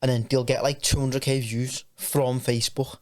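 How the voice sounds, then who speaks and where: A man's voice: medium pitch, level tone, normal speed, a little hiss or hum. A young man co-hosts a podcast in a mid-range voice. His talk is casual, informal and full of slang. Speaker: podcast co-host. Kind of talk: casual chat.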